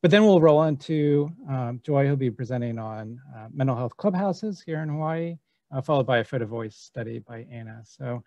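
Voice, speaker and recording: A man giving an academic conference presentation over a video call, relaxed and hesitant with many fillers. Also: mid-range voice, moderate pace, dry recording, highs cut off.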